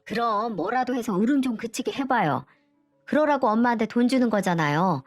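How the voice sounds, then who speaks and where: A woman's voice: a little high, lively intonation, fairly quick. Bratty grown son, a lady doing his voice, snaps and whines, faint music under it. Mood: irritated. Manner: snapping, whiny and impatient. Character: rude, irritable grown son, adult man.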